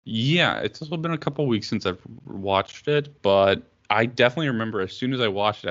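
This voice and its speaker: Male podcast host, low voice, wry and teasing, dry dull lo-fi sound. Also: a bit bright, no room sound. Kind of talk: casual podcast chat.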